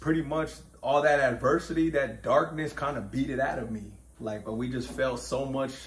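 A man's speech has ordinary pitch variation and moves at a moderate pace. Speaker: interview guest. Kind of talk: interview answer. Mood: reflective, earnest. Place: home room. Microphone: lapel.

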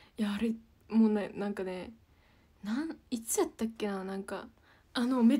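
Her fairly high, somewhat breathy voice moves at a fairly quick pace, as this woman shows ordinary pitch variation and big swings in loudness. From Kansai, Japan; Japan. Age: young. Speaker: idol livestreamer. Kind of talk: casual livestream chat with viewers. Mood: cheerful, laughing. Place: home room. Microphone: phone near.

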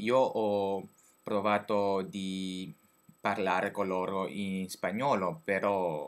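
Pitched fairly low, a man speaks with fairly even intonation. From Belgium, Chinese-speaking family. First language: French (speaking Italian). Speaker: vlogger learning Italian; language learner vlogger. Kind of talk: casual video blog. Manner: halting, many fillers and restarts. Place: home room. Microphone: webcam.

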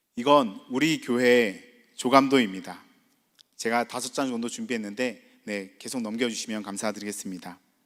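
With an unremarkable speaking voice, the man delivers his words at a moderate pace, his medium pitch showing ordinary variation. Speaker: preacher. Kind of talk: sermon. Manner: formal.

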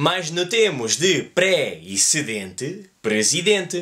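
Against a quiet background, a man with a bright, sharp tone and vocal fry speaks at a very slow pace, his pitch swinging very widely. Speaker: language educator. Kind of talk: lecture. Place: home room.

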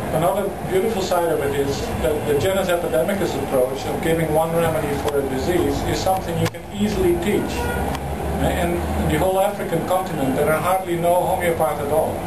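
Loud background noise fills the recording. A man talks at a very fast pace. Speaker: interviewee. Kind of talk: interview answer.

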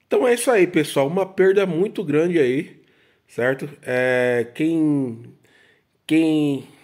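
Very slow speech with lively intonation, on a very clean recording with a silent background. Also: man, fairly high pitch for a man. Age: 30s. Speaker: YouTuber. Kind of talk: casual commentary to viewers; reading aloud news article.

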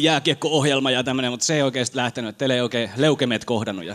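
A man is speaking at a very fast pace. His tone is nervous. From Tampere, Finland; Finland. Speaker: stand-up comedian performing at a roast; roast comedian. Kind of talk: stand-up roast comedy, crude insult jokes. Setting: stage with live audience. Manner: nervous at the start, coughing between jokes. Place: stage. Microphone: handheld.

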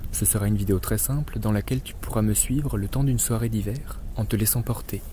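Light background noise behind a man's fairly quick speech, dry with no echo. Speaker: ASMR relaxation video creator and tiny house dweller. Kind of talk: ASMR relaxation talk to camera, guided evening. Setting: binaural headset microphone recording at home. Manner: soft-spoken, calm, gentle.

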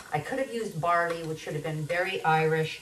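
Audible room echo and light background noise surround a woman speaking in a fairly low pitch with ordinary pitch variation. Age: 70s. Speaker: cooking channel host and health coach. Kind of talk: cooking tutorial. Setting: kitchen. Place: kitchen. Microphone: camera far.

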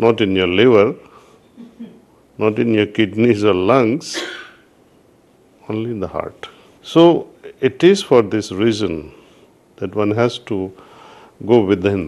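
Speaking very slowly with long, frequent pauses, a man uses a fairly low pitch and ordinary pitch variation. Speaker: interview guest, spiritual teacher. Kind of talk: interview answer. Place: home room. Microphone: lapel.

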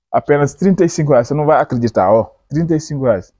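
A man speaks in a dark, mellow tone at a moderate pace with ordinary pitch variation. The sound is dry with no echo, and the background is quiet. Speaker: store owner. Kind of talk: sales pitch. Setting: shop. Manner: repetitive, with 'entendeu?' and 'tá?' after nearly every point. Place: shop. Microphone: phone near.

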